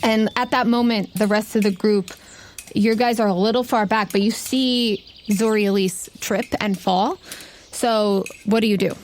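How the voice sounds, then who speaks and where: A woman's voice: mid-range voice, fairly even intonation, moderate pace, slight background noise. A woman narrating a tabletop game as game master and host. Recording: music playing behind the voice. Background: music.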